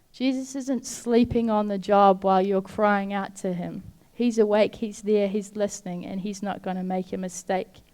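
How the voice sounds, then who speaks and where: Warm, smooth-voiced woman giving a heartfelt devotional. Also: mid-range voice. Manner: heartfelt, gently urging, addresses listener directly. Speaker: speaker giving a devotional talk. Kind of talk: earnest devotional talk.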